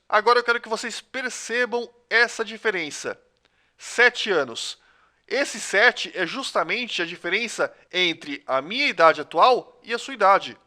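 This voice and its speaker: A man's voice: high-pitched, sharp tone. A man with a Brazilian Portuguese accent teaching a recorded math lesson, explaining step by step and talking straight to his students. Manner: patient step-by-step explaining, addresses students directly.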